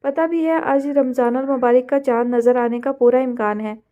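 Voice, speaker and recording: A woman's voice: high voice, fairly even intonation, normal speed, narrow, tinny audio, close to an everyday voice. A woman voicing a patient young woman, an older sister who mildly scolds her siblings, in a storybook reading. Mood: scolding.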